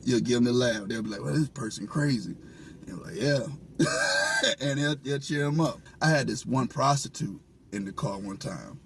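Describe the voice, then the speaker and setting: A guest comedian tells casual stories in a mid-range, sing-song voice that's gravelly and a bit bright, at normal speed over a little hiss or hum. He's slangy and profane, laughing often and acting out what people said.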